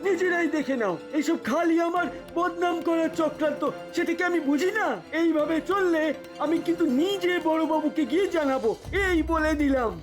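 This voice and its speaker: Very high shifty cartoon swindler. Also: male voice, moderate pace, over music. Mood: defensive, flustered. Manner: defensive, stammering repetitions. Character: shifty, whining male market cheat selling cheese. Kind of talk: comic cartoon acting.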